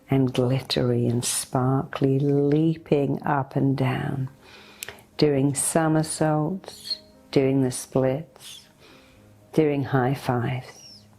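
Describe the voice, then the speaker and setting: A woman leading a guided meditation in a soothing, deliberate way, speaking directly to the listener as a hypnotherapist would. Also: rumbling low, creaky, a little mellow. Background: meditation music.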